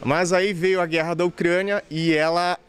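Higher-voiced man explaining in a pharmacy. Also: little pitch movement, normal speed, fairly bright tone, smooth. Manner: explanatory, frequent tag questions. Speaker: pharmacy representative interviewed. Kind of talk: news interview answer. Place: pharmacy shop floor, indoors. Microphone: handheld reporter mic.

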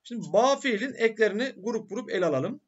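A man's voice: high-pitched, expressive, brisk, husky, muffled recording. A male teacher giving a grammar lecture who asks questions and answers them himself.

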